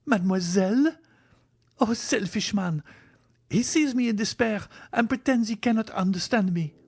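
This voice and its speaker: A tearful young woman pleads in a high, fluttering voice that climbs sharply with each cry, put on by a man reading the story aloud. She sounds desperate and wounded. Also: lively intonation, moderate pace, darkish tone, slightly rough, full character voice. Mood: indignant.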